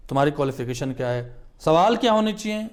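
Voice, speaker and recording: A man speaks as a guest on a studio talk show, earnest and emphatic as he explains his point. His voice sits a little higher than most men's. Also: expressive, a little mellow. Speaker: religious scholar guest.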